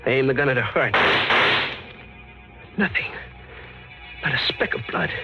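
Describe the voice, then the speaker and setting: An old radio horror recording with prominent music behind the voice. A male actor plays a wounded, haunted American man on the run. He speaks in short, clipped, dramatic phrases at an ordinary male pitch. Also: lightly acted, rough recording. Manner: terse, dramatic delivery in short clipped sentences. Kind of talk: 1940s American radio horror acting, first-person narration.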